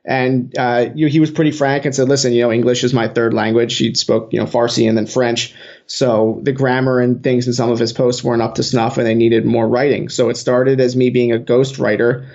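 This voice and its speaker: A man's voice: medium pitch, little pitch movement, brisk, darkish tone. Man on a dull lo-fi line. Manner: earnest, fluent with some "you know" fillers. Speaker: guest, social media marketer. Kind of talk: interview storytelling. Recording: dull lo-fi sound.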